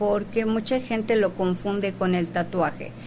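A woman is speaking. Her pitch is medium. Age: 50s. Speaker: cosmetologist. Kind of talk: interview.

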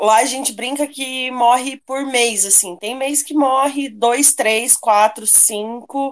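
Very slowly, a woman speaks in a high voice with fairly even intonation. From Brazilian countryside town. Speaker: listener caller. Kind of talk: casual chat.

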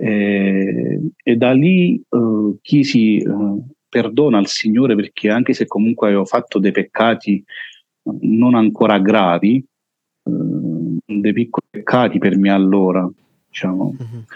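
At a very slow pace, a man speaks in a fairly low voice with ordinary pitch variation and long, frequent pauses. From Naples, Italy. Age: 30s. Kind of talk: testimony.

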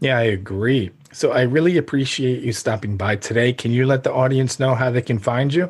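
At a fairly quick pace, a man speaks with hardly any pauses and very even loudness. His voice is somewhat breathy, medium in pitch, with ordinary pitch variation. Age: 30s. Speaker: podcast host. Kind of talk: casual interview.

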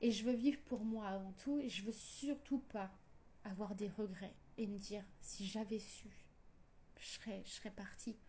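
A woman talks at a fairly slow pace with long, frequent pauses. Her voice is fairly high, somewhat breathy and fairly even in intonation. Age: 20s. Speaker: podcast host. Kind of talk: personal monologue. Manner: hesitant, many fillers.

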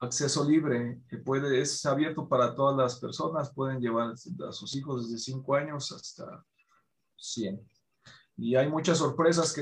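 At a fairly slow pace, a man speaks with a fairly high, somewhat breathy voice and ordinary pitch variation. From Mexico (Tlaxcala). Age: 40s. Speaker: author and poet. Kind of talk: interview with poetry reading.

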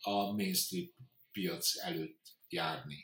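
This is a man speaking. His pitch is fairly low. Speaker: illustrator. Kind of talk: interview.

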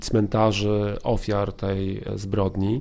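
A man speaks at a fairly low pitch with a dark, mellow tone. His intonation stays fairly even. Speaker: priest and radio correspondent. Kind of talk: news report.

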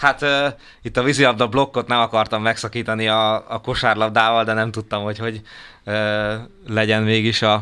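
A man speaks in a bright, sharp tone at medium pitch and a moderate pace, his intonation flat and monotone. The recording is very clean, with a silent background. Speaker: sports journalist. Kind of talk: casual chat. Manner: halting, many fillers.

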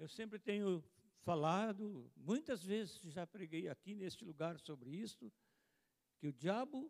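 This man's voice is high-pitched and swings very widely in pitch. He speaks at a fairly slow pace. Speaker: preacher. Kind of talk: sermon. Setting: church with congregation. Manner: animated.

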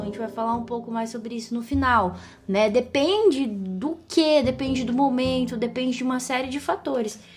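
A high-pitched woman's voice with hardly any pauses. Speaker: podcast host, economist and financial educator. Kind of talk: casual chat.

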